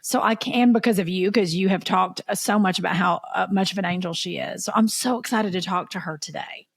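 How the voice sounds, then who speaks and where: A woman's voice: fairly low pitch, fairly quick, creaky, slightly rough. A woman co-hosting a podcast, bubbly and effusive in casual chat, saying "y'all.". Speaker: podcast co-host.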